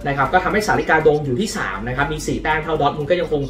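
A man hosting a casual football news vlog, chatty and lively in his storytelling. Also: fairly high pitch, rapid-fire, roomy sound, recorded from a distance. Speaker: football channel host.

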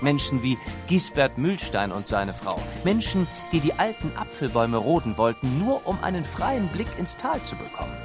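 A man narrating a scripted children's story in an expressive, deliberate storytelling manner. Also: a little high. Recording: studio narration over music. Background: music.

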